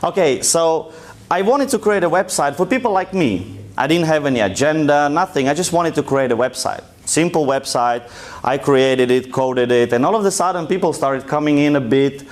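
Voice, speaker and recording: A man's voice: fairly high pitch, expressive, moderate pace. A young man from Russia with a thick Russian accent, giving a joking, loosely told presentation to an audience in a lecture room. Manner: casual, joking, loose storytelling. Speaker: conference speaker. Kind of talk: live presentation talk.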